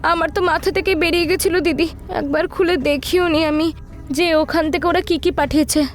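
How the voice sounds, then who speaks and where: একজন মহিলা অডিও ভূতের গল্পে কনের উদ্বিগ্ন, বিনীত মায়ের ভূমিকায় কাতর ভঙ্গিতে কথা বলছেন।. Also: female voice, very high voice, steady tone, fairly quick, soft background music. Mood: defensive, flustered. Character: anxious, deferential village mother of a bride. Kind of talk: audio horror story dialogue.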